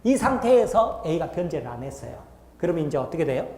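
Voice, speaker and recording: This law lecturer talks a little fast, his slightly high, darkish voice swinging widely in pitch. Teaching step by step in a roomy, reverberant hall, he constantly pauses to check in with his students.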